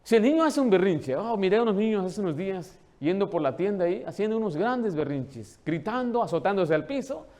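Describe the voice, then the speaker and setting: A man preaching a sermon as pastor, animated, asking the congregation questions and acting out the people he quotes. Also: sits high, a little fast, few pauses. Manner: acts out quoted dialogue in changed voices.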